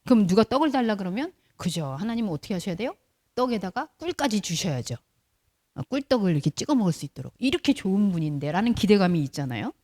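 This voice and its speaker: A woman pastor delivers a sermon in a church, speaking like she's chatting with the people in front of her. She keeps asking them rhetorical questions. Her pitch moves up and down a lot, and her voice sounds soft and warm. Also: big pitch swings, quick pace. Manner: conversational preaching with rhetorical questions to the congregation.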